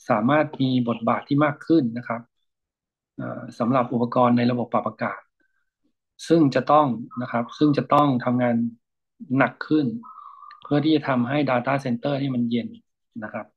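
A man giving a lesson, reading an article aloud and explaining English grammar in an unhurried way, often pausing with hesitations and polite particles. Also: medium pitch, husky, dull audio. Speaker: lecturer.

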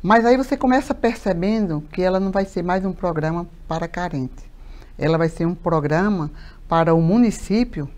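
A woman, a mayor talking animatedly as a guest in a TV studio interview, with many fillers and repeated words. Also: on the low side. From Paraíba, Brazil. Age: 50s. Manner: animated, gestures a lot, many fillers and repetitions. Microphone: lapel mic.

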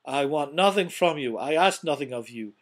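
A man voicing a cheerful, warm-hearted young nephew from a storybook, pleading earnestly. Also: a little high, animated, normal speed. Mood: earnest appeal. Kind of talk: storybook character reading.

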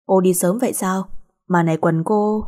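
A woman's voice: fairly low pitch, fairly even intonation, moderate pace, warm tone, natural voice. A woman voicing a stern, fussy grown man who speaks curtly and finds fault. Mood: reproachful. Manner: curt, reproachful.

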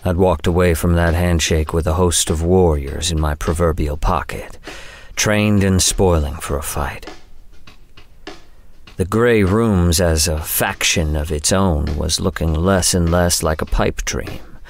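An older, world-weary man narrating a noir audio drama. The voice is extremely low and unhurried, brooding with a wry edge. There is faint noise behind it. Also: steady tone. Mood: wary, weary.

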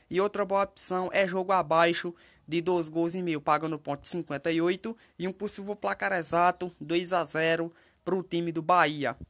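A Brazilian-accented man talks through football betting picks in a relaxed voice-over. He walks through the odds in a steady, methodical way. He keeps tossing quick tag questions to his listeners. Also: a little high. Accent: Brazilian Portuguese. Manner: ends phrases with tag questions to the audience. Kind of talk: casual voice-over over betting screens.

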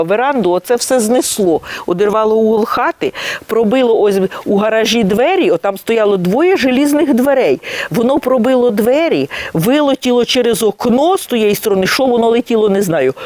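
A woman's voice: fairly high pitch, darkish tone, dry recording. Older village woman, dry close sound. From Kyiv region, Ukraine. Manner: repetitive, hesitant retelling, restarting sentences. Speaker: interviewee. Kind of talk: documentary testimony.

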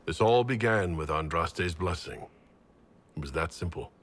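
A man's voice: low-pitched, a little slow, fairly bright tone. A man playing a huge, horned, devout warrior leader in a fantasy game, speaking solemnly and formally. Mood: solemn, humble.

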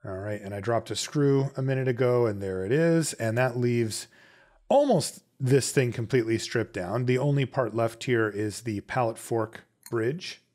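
A man's voice: medium pitch, normal speed, darkish tone. A man hosting a repair channel, talking through each step casually and conversationally, as if thinking aloud. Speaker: host of a watch repair channel. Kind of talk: casual step-by-step tutorial narration.

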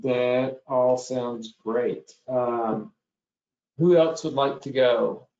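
A man moderates an online meeting in a mid-range voice. He talks informally and haltingly, thinking as he goes. The sound is echoey and somewhat muffled. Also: mid-range voice, steady tone, darkish tone. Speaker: session moderator. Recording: roomy, dull online meeting audio.

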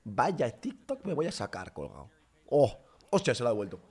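Young guy reacting to a hoops game, voice jumps all over, yells out of nowhere. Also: medium pitch, fairly quick, slightly rough. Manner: excitable, bursts into shouts. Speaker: basketball reaction streamer. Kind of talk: live reaction commentary.

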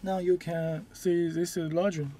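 A man who is not a native English speaker gives a step-by-step hands-on demonstration inside a car, in halting, short, simple phrases. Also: on the high side, little pitch movement, mellow, a little hiss or hum. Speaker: product demonstrator.

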